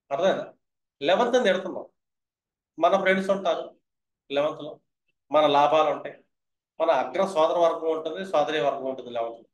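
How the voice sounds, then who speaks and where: A man's voice: high-pitched, roomy sound. A man teaching astrology in a lecture style, who keeps asking his listeners whether they have understood.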